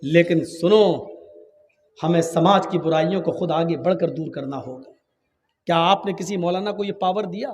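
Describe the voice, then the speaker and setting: Male preacher, high-pitched and dramatic, long hall reverb; quiet asides that burst into shouts. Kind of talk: Urdu sermon with acted storytelling.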